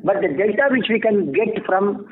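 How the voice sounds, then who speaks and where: A man with an Indian accent, a bank executive giving measured, formal, explanatory answers on an earnings call. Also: high voice, lively intonation. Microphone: phone conference call. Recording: tinny phone line with clear noise.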